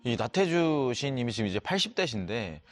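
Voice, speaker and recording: A man in his forties co-hosting a talk show, playful and animated. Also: medium pitch, fairly quick, soft background music. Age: 40s.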